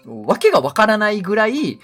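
A man's voice: high-pitched, brisk. A middle-aged man with a Kansai accent, hosting a casual talk show, reading listener mail and joking to himself. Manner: joking, animated, talks to himself. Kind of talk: casual radio chat.

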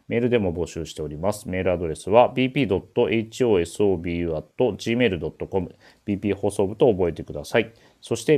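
Male host, deep and quick, polite casual radio chat. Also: darkish tone. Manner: polite, teasing. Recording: remote connection audio.

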